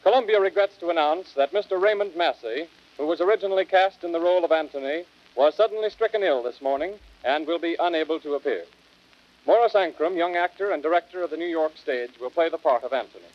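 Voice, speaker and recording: A man's voice: fairly high pitch, fast. A man working as a radio announcer, reading formally in a 1930s broadcast style. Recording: dull, band-limited vintage radio recording.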